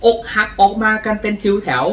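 A man hosting a casual football news vlog, chatty and lively in his storytelling. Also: fairly quick, reverberant, recorded from a distance. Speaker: football channel host.

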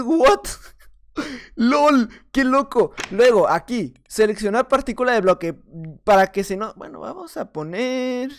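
A man with a Mexican accent giving casual, chatty commentary on his own gameplay, laughing at himself and muttering under his breath. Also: sits high. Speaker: gaming video creator.

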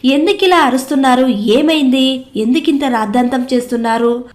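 A woman voicing a rich man's wife who asks calm, concerned questions in a storybook tale. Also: sits high, moderate pace, close to an everyday voice.

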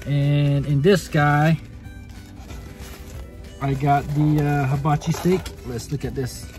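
Male vlogger, thirties, Native American rez accent, mellow and playful, casual phone recording in a vehicle. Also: a little high, fairly even intonation, slow, soft background music. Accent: Native American (Navajo reservation). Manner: jokey, playful. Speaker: family vlogger. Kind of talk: casual vlog chat to camera. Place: inside a parked pickup truck. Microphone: phone at arm's length.

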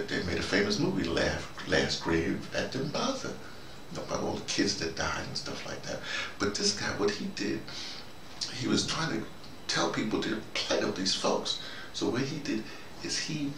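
Older American man, gravelly and roomy. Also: deep voice. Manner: halting, repetitive, colloquial, emphatic. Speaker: host, storytelling activist. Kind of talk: rambling conversational monologue. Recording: noisy, roomy, distant microphone.

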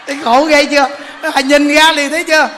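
Southern Vietnamese male monk, joking sermon storyteller, bright edge, reverberant temple hall. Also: level tone, fast. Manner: joking storyteller, swings between loud exclaims and low asides. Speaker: Buddhist monk teacher. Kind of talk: humorous dharma talk. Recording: echoey hall with faint background noise.

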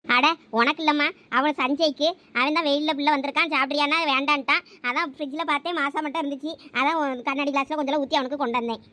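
A woman's voice: sits high, steady tone, quick pace, few pauses, pushed and bright. Woman for a doting middle-aged village mother, Thoothukudi Tamil, fussing and homely.

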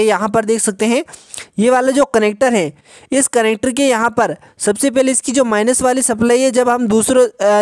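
A man patiently explaining a phone repair step by step in a tutorial voice-over, often pausing to check in with the viewer. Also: very high-pitched, no room sound, studio quality. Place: voice-over over a drawn circuit diagram.

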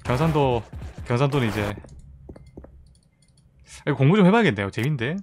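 A man's voice: mid-range voice, sing-song, fairly quick, music in the background. Male game streamer, Gyeongsang accent, casual chatter. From South Korea, Busan. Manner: chatty, reads out chat and thanks viewers. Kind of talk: casual live-stream chat while playing.

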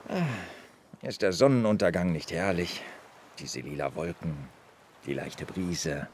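An actor playing a weary but tender police inspector in a radio crime drama, speaking calmly and gently. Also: male voice, low-pitched, unhurried, a little hiss or hum. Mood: wistful. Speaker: inspector Anton Jäger.

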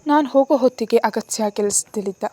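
Warm-toned woman narrating a story. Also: on the high side, brisk, no room sound. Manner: emotive, storytelling. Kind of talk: scripted first-person story narration.

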